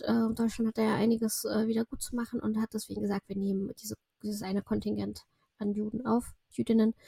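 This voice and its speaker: A woman's voice: on the high side, vocal fry, dark tone, husky, dry recording. A woman in her thirties, a native Russian speaker from Russia, talking as a podcast guest in a reflective, rambling way with many fillers and self-corrections. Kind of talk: casual interview chat.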